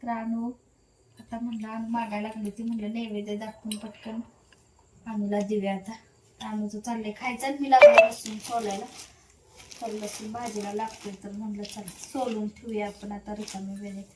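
A woman's voice: mid-range voice, level tone, moderate pace, dark tone, a little hiss or hum. A woman from Maharashtra, India, chatting casually as she works around her home. She explains each chore as she goes and drops in many little fillers. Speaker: home vlogger. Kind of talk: casual vlog narration. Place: at home, in her kitchen and yard.

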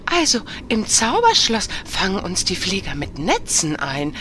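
A woman's voice: mid-range voice, wildly swooping pitch, measured pace, a bit bright. An actress playing a naive, perky young princess in a comic sci-fi audio drama, girlish and sing-song. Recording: faint background noise and ambience.

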